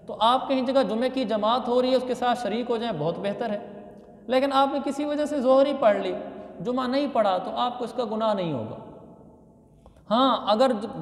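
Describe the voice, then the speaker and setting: High-voiced man, echoey hall. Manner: patient, explains step by step, repeats key phrases. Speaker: mufti teaching Islamic law. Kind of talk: religious lesson. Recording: echoey hall with long reverb.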